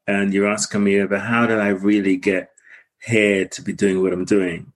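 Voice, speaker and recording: A man from Guyana, a podcast guest, reflectively telling his life story with some halting restarts. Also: lowish voice, flat delivery.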